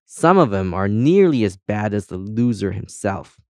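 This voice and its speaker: A man's voice: fairly low pitch, big pitch swings, moderate pace, no echo, clean studio sound. A man voicing a chatty, cheerful female compass in a children's audiobook, with breezy, boastful colloquial talk. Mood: brisk, warning.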